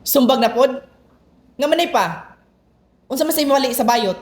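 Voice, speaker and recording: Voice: high-pitched, expressive, normal speed. A performer playing a sullen, defiant young gay son in an amateur radio drama, snappy and emotional. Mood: angry, pleading. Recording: echoey room.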